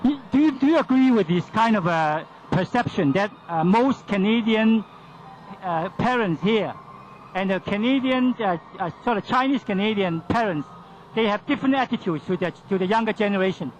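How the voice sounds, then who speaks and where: High-voiced man moderating a panel. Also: lively intonation, normal speed, muffled recording, a little hiss or hum. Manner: questioning, ends lines with "huh?". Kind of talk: panel discussion.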